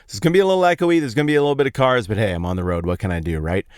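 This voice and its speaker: A man's voice: fairly low pitch, rapid-fire, clear, resonant tone, no room sound, clean studio sound. An American man hosting a podcast, telling stories in a casual, colloquial way with playful emphasis, recorded inside a parked truck. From Colorado, United States. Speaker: podcast host. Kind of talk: casual conversational Bible talk, storytelling monologue.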